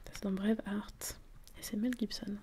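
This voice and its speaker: Softly whispering woman, flat delivery. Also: medium pitch, normal speed. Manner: soft unvoiced whisper. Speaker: ASMR creator. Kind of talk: whispered ASMR talk about film quotes. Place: at home, wind outside.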